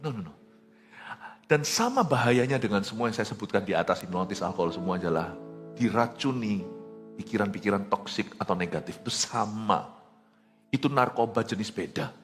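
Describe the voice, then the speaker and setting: A man's voice: lowish voice, a little fast, over music. A middle-aged man preaching a sermon, telling stories and acting out quotes, dropping in English phrases. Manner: animated preaching with jokes and acted quotes, mixing in English phrases. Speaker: pastor.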